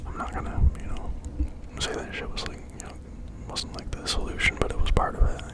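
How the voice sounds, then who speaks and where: An ASMR creator rambling in a breathy, unvoiced whisper close to the microphone, informal, halting and confiding, often checking in with the listener. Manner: informal, halting, confiding, with frequent tag questions.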